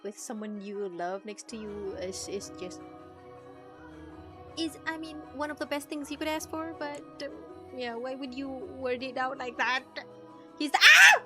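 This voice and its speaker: Girl streamer reading a visual novel, high voice, unhurried pace, super reactive, music behind her. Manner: animated, excitable, teasing, exclaims and swears freely. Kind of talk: reading game text aloud with reactions.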